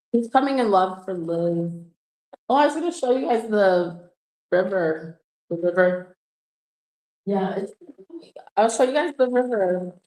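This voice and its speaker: A woman's voice: fairly low pitch, a little mellow, roomy sound. A woman hosting a casual tarot livestream, telling a story in a chatty way and laughing often. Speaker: tarot reader and livestream host.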